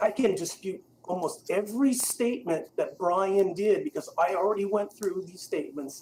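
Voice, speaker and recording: A man speaks in a high, shaky voice. His pace is moderate and his pitch variation ordinary. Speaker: private citizen giving public comment. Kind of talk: public comment at planning meeting. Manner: emotional, shaky voice.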